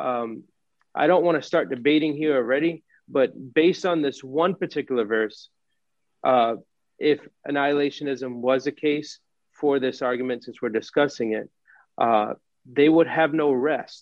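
With a New York accent, a man speaks at a moderate pace and a fairly high pitch, ordinary pitch variation and long, frequent pauses. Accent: New York area. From New Jersey / Brooklyn. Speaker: seminary student, co-host of a Bible podcast. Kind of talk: interview conversation.

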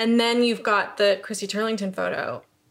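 The speaker talks at a moderate pace in a New York accent. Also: woman. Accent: American (New York). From upstate New York. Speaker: interiors brand founder. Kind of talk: casual chat.

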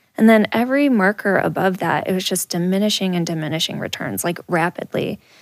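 A woman with an American accent speaks at a fairly quick pace in an ordinary speaking voice, medium-pitched, recorded very cleanly against a silent background with a dry, close sound and no echo. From California. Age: 40s. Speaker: hairstylist and salon owner. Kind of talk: casual interview conversation.

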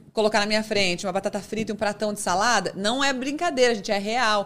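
Fairly quick in pace, a woman talks in a normal speaking voice. Her pitch is fairly high, with ordinary variation. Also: very clean recording, silent background. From interior of São Paulo state, Brazil. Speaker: fitness instructor and influencer. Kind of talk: casual chat. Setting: studio.

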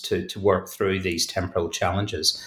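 A man talks with a Northern Irish accent. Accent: Northern Irish (Belfast). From Belfast, Northern Ireland. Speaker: university professor and author. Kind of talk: author interview. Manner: hesitant, filler-heavy.

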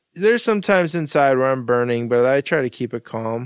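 This man has a normal speaking voice at a medium pitch, with ordinary pitch variation and a moderate pace, captured in a very clean recording with a silent background and a dry, close sound with no echo. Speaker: photographer. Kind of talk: casual chat. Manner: swears often, laughs a lot, casual.

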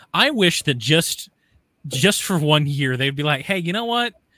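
A man with an American accent, bright and sharp in tone with lively intonation, in a very clean, dry, close recording with a silent background and no echo. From US South. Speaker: guest co-host commenting on racing. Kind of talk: casual chat about motorsports.

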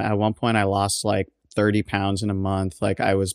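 A man with a Californian accent and fairly low pitch speaks in a monotone, flat intonation, the sound dry and close with no echo on a very clean recording with a silent background. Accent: Californian American. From Southern California. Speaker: software engineer. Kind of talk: interview. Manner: casual with repetitions.

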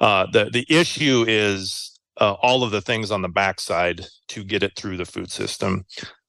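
A man with a Midwestern American accent speaks at a moderate pace and a fairly low pitch, in a bright, sharp tone. His pitch varies in an ordinary way over a quiet background. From US Midwest, northern Iowa. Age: 40s. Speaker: farmer. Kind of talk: interview. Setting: remote call from his sunroom. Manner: halting, many fillers.

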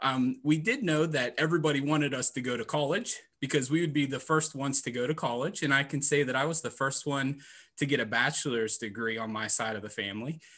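A man with an American accent, fairly high in pitch, with a bright, sharp tone and ordinary pitch variation, very fast, against a quiet background. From Western Pennsylvania, US. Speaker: Salesforce professional. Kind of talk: casual interview, conversational. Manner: enthusiastic, animated, halting with repeats.

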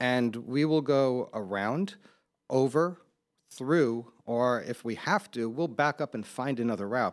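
Here a man speaks in an unremarkable speaking voice with ordinary pitch variation. The recording is very clean, with a silent background. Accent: American. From Long Island, New York. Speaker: off-road driving business owner. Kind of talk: interview. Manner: frequent filler words (um, uh).

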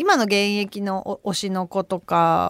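At a very slow pace and medium pitch, a woman talks in a dry, close sound with no echo, recorded very cleanly with a silent background. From Saitama, Japan. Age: 30s. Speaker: choreographer. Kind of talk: casual radio interview.

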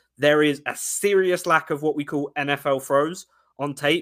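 Pitch varies in an ordinary way as a man talks on a very clean recording with a silent background. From Boston. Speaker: NFL draft analyst. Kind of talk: casual sports talk. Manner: high energy.

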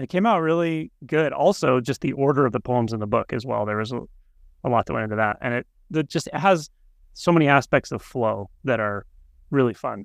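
A man's medium-pitched voice at a fairly quick pace with long, frequent pauses, dry and close with no echo, on a very clean recording with a silent background. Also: lively intonation. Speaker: channel host, interviewer. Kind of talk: interview, casual conversation. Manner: warm, enthusiastic, endorsing.

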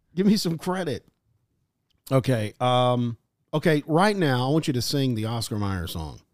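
Over a very clean, silent background, a man with an American accent and medium pitch talks at a moderate pace, swinging very widely in pitch and leaving long, frequent pauses. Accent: Southern US, sometimes held back. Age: 50s. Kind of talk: casual chat; reading aloud. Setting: studio.

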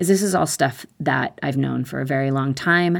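Moderate-paced speech from a woman, cleanly recorded against a silent background. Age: 50s. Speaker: podcast host and runner. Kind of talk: personal narrative monologue. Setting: home closet studio.

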